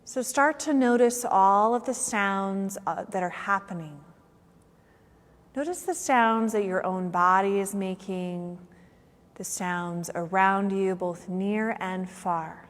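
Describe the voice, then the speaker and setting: Female yoga instructor for guided relaxation, slow-paced with long pauses, heard in a long, hall-like reverb. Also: mid-range voice. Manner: unhurried phrasing with long pauses. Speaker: yoga teacher. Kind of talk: guided meditation.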